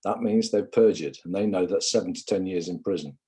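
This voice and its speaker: A man's voice: low-pitched, a little fast, warm tone, husky. A man from England giving a rambling, impassioned livestream monologue, often calling viewers "guys".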